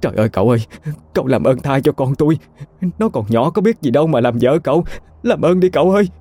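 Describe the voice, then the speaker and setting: Man voicing pleading village mother, high and fast, wailing in a storybook. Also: lively intonation, warm tone. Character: wailing village mother begging for her daughter.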